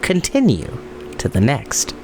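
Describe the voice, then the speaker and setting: A man reading a story aloud as host, with expressive narration. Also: medium pitch, takes it slowly, noisy background.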